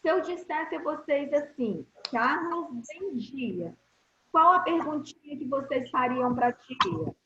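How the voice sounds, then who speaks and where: Slow, patient Brazilian woman teacher. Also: high voice, pushed and bright, a little hiss or hum. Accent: Brazilian Portuguese. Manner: slow, deliberate explaining with frequent check-in questions. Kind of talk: online grammar lesson for schoolchildren. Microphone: video call. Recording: roomy, slightly dull video-call audio.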